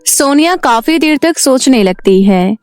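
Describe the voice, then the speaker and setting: A woman reading scripted narration for an animated children's moral story. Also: sits high, unhurried, no echo. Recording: music behind the voice.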